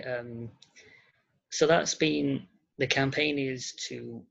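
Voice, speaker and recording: Podcast guest: husky and unhurried, halting as they search for words, dull lo-fi recording. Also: medium pitch. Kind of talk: interview conversation. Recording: muffled lo-fi audio.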